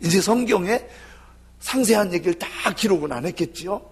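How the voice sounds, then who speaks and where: A male pastor preaching a sermon with animated delivery that drops into soft, half-whispered asides. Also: high voice, moderate pace, husky.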